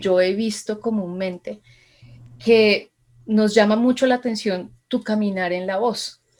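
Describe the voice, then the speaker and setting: A woman's fairly high-pitched voice with fairly even intonation at a very slow pace. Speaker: podcast host. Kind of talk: podcast host introduction.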